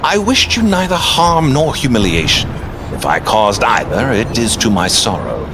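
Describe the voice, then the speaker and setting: A man's voice: mid-range voice, moderate pace. Magneto, voiced by a man, silken and courtly. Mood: smooth. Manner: formal, silken, flattering. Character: suave older male master of magnetism, courtly and scheming. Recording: noisy recording.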